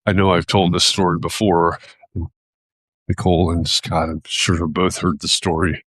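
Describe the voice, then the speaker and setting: Low-voiced man, reflective and dry. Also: level tone, normal speed, a bit bright, no echo. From United States. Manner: thoughtful, searching for words. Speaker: host of a live video. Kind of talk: reflective casual talk.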